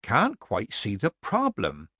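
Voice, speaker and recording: A man's voice: on the low side, wildly swooping pitch, slow, bright, forceful tone, husky, no room sound, clean studio sound, heavily acted. A man voicing a shrewd, cheerful old woman witch who talks bluntly and mildly. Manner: blunt, earthy, mild.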